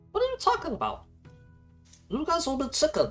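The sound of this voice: In a put-on character voice, the speaker goes high in pitch with very wide pitch swings at a fairly quick pace while faint music plays in the background.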